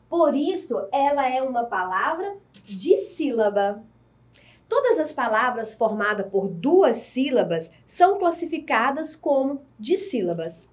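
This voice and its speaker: A woman teacher giving a recorded lesson to adult learners, explaining slowly and clearly. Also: high voice. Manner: slow, clear, deliberate explaining.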